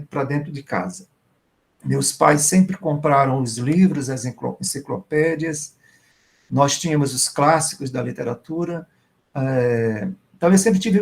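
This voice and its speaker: Middle-aged male writer, guest at an online talk; raspy fry, fairly high pitch, warm reminiscing tone. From Maranhão, Brazil. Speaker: writer and professor, guest speaker. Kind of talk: online literary conversation.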